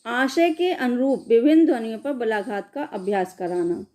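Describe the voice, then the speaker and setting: A woman's voice: a little high, normal speed, warm tone. A woman teacher giving an exam-prep lecture, explaining step by step and answering her own questions.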